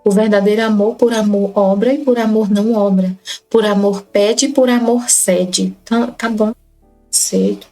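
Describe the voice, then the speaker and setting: Brazilian woman, mid-pitched, leads a Catholic study group, reads and explains devotional text with earnest repetition, faint music behind. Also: fairly even intonation, moderate pace, mellow, poor audio. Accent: Brazilian Portuguese. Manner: earnest, repeats phrases to stress them. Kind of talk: reading and explaining devotional texts.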